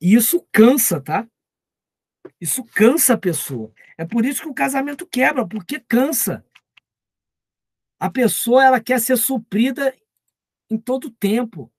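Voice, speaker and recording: A man's voice: very high voice, animated, unhurried, pauses often, a little mellow, breathy edge, dry recording, studio quality. A man preaching at a live Bible study, talking conversationally and acting out little dialogues. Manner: conversational, acts out quoted dialogue.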